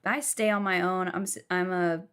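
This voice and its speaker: A woman's voice: on the low side, fairly even intonation, moderate pace, a bit bright, clear, resonant tone. A young woman from the southern United States, telling her life story frankly while lying down as a podcast guest.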